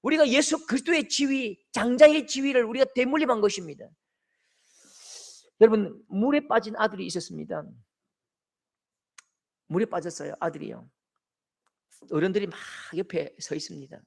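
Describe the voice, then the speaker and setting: Man, pastor, Gyeongsang accent, sermon, high voice, dramatic shouts and hushed tender lines. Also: moderate pace, vocal fry, long pauses. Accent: Gyeongsang Korean. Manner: dramatic, acts out quoted voices with big swings from shouts to soft tender tones.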